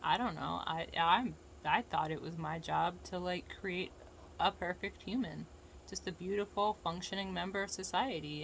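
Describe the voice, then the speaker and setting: Low creaky-voiced American woman with a lisp. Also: slight background noise, rough recording. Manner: rambling, frank, profane, digressive. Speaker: vlogger giving opinions. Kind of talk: casual opinionated rant to viewers.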